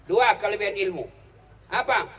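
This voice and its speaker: Joking man with a high voice. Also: normal speed, sharp tone. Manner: jokey, teasing, repeats key lines for emphasis. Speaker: motivational speaker. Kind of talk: humorous motivational talk to students. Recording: distant mic with faint background noise.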